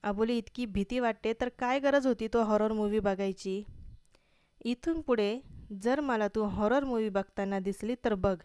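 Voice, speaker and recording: A woman's voice: a little high, moderate pace, darkish tone, smooth, no room sound, clean studio sound, lightly acted. A woman voicing a stern young businessman husband who speaks in curt, commanding lines. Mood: irritated.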